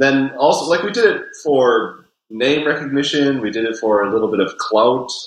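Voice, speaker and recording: This man uses a plain, everyday voice and a medium pitch. He talks at a moderate pace with ordinary pitch variation. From Okanagan, British Columbia, Canada. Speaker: realtor and podcast host. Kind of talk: casual interview chat.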